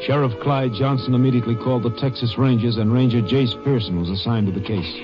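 A man's voice: mid-range voice, fairly even intonation, fast, over music. A man reading scripted narration for an old-time radio drama. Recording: dull 1950s radio recording.

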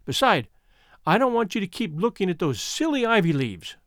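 A man's voice: high-pitched, sing-song, moderate pace, a bit bright, dry recording, clean studio sound, exaggerated voice. Man voicing a caring, firm young woman. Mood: coaxing, caring.

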